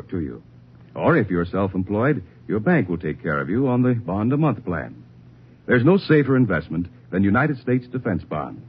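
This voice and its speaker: A man's voice: fairly low pitch, breathy edge. A man reading a persuasive scripted advertisement in 1950s radio announcer style. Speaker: public-service advertisement announcer. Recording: dull 1950s radio recording.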